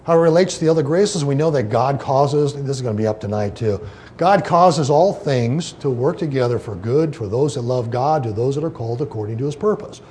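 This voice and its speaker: In this informal Bible lesson, a man speaks briskly at a medium pitch with a dark tone, wandering conversationally through fillers and restarts and pausing to read quotations out loud. There's a little background noise.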